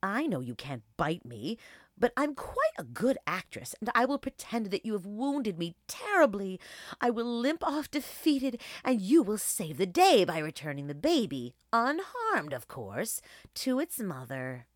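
A woman's voice: mid-range voice, big pitch swings, measured pace, dry recording, studio quality, voice pushed up. A woman voicing a sly, mischievous aging female wolf in a children's storybook, teasing and persuasive. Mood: coaxing, theatrical.

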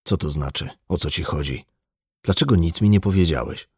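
A man's voice: deep voice, moderate pace, darkish tone, husky, no room sound, studio quality, exaggerated voice. A man voicing a wounded, amnesiac man in an audiobook, terse and guarded. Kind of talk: audiobook dialogue.

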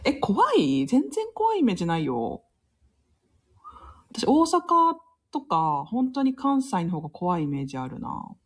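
A woman's voice: mid-range voice, wildly swooping pitch, unhurried, husky. A woman hosting a casual live stream, chatting, laughing often and reading listener comments aloud.

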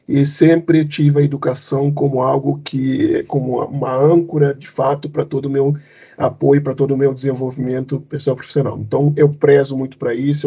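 A man's voice: mid-range voice, warm tone, breathy edge. A man from Cape Verde, a company leader, answering interview questions thoughtfully, with many fillers and restarts. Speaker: company executive, guest.

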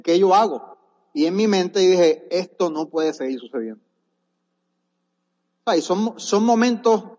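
A man's voice: high voice, darkish tone. A man giving an earnest motivational testimony on stage at a business seminar, urging the audience on. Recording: dull echoey hall recording.

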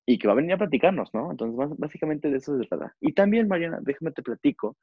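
A man's voice: on the high side, animated, fast, breathy edge, dry recording. A young man with a Mexican accent hosts a casual podcast. He rambles along with plenty of fillers. The recording is dry and a little muffled. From Zacatecas, Mexico. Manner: chatty, rambling with many fillers. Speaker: podcast host. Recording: dull, lo-fi.

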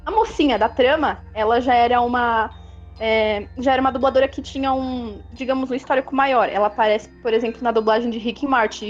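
High-pitched, firm Brazilian woman. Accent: Brazilian Portuguese. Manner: firm, critical, explains at length. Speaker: co-host. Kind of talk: casual livestream chat. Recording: dull lo-fi stream audio with faint music.

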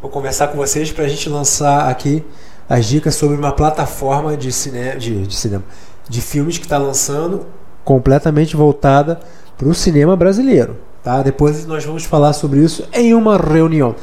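Brazilian male co-host, high lively voice, playful; echoey room, faint hiss. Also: normal speed. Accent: Brazilian Portuguese. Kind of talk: casual chat about streaming releases.

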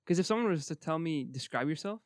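Young guy from morocco talking super fast, lots of "like", dry mic. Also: on the high side, animated, no room sound. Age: young adult. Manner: rapid, rambling, full of "like" and "you know what I mean". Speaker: podcast host. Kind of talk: casual podcast chat.

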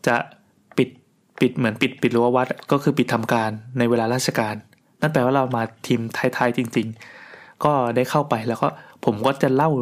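Chatty man telling a rambling story. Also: mid-range voice. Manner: chatty, rambling, with restarts and crude asides. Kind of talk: casual storytelling monologue.

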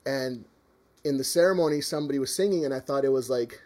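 A man's voice: medium pitch, quick pace, darkish tone. A Canadian man telling stories in a casual podcast chat, rambling with plenty of "um" and "like". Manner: chatty, rambling with many fillers.

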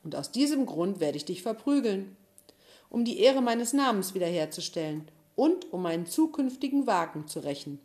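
A woman voicing a boastful, bullying schoolboy who talks in a smug, menacing way, raised and loud, in a storybook reading. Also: medium pitch, big pitch swings, moderate pace, lightly acted. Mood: smug threatening.

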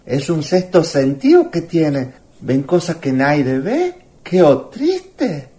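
A woman acts out an earnest young Chilean suitor from the countryside for radio theatre. The voice is soft-edged and slow, with big swings in melody. The manner is courteous and apologetic. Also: low-pitched, very animated, exaggerated voice. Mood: concerned, courteous. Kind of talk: radio drama acting.

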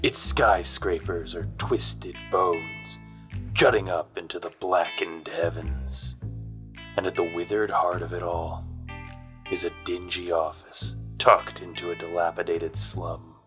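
An actor playing a weary hard-boiled private detective in a noir audio drama, brooding and sardonic. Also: male voice, low-pitched, steady tone, slow pace, a bit bright, faint music behind. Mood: grim, brooding. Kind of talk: noir radio drama acting.

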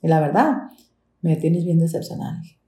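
A woman's voice: low-pitched, fairly quick. A Mexican woman, a domestic worker, telling her story in an interview and acting out the dialogue as she goes. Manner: animated retelling, acts out quoted dialogue. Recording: roomy echo.

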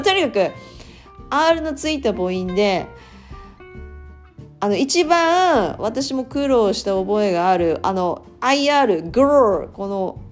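A woman's voice: mid-range voice, a little mellow. A woman from Japan explaining English sounds in a chatty, casual way, laughing often and sounding out words. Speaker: English pronunciation podcaster.

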